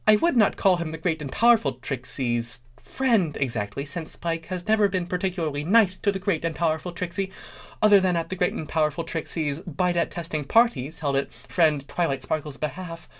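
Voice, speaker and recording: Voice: medium pitch, a little fast, voice pushed up, natural voice. A performer voicing a grandiose, rambling female pony magician in a cartoon fan story. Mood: theatrical, boastful. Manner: grandiose, rambling, speaks in third person. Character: boastful, wordy, melodramatic female pony magician.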